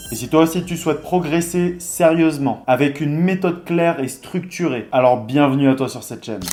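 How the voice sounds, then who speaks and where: Fairly high-pitched male voice at a fairly quick pace with hardly any pauses, big swings in loudness and ordinary pitch variation, over noticeable background noise. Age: 20s. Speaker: trader and trading coach. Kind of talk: tutorial.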